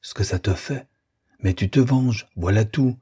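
A man's voice: on the low side, unhurried, dark tone, slightly rough. A man voicing a jealous young lover who hurls bitter, accusing tirades at his mistress.

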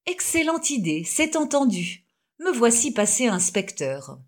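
A woman reading the lines of a warm, jovial middle-aged male doctor in an audiobook, cordial and effusive. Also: medium pitch, unhurried, natural voice. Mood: cheerful.

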